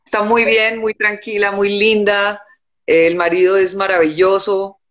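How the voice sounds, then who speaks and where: A woman, answering calmly as a guest on a live video chat from home. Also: medium pitch, a little slow, dull audio. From born in the United States, raised in Colombia. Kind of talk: casual live-stream chat. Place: indoor room at home.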